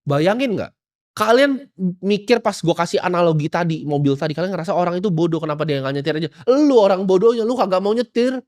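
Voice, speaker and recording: A man's voice: high-pitched, expressive, quick pace, darkish tone, dry recording. A young man from Indonesia lecturing viewers on money in a blunt, scolding, boastful way, recorded close and dry. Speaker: investor giving advice.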